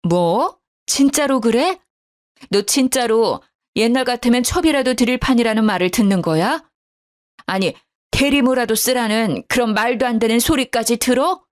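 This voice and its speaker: A woman's voice: mid-range voice, animated, moderate pace, lightly acted. A woman voicing an indignant middle-aged mother in a storybook drama, talking in an agitated, scolding way.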